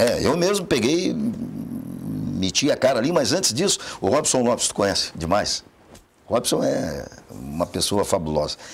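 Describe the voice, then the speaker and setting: Against noticeable background noise, a man at medium pitch speaks at a moderate pace with very wide pitch swings, very even loudness and long, frequent pauses. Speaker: radio announcer. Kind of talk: interview answer.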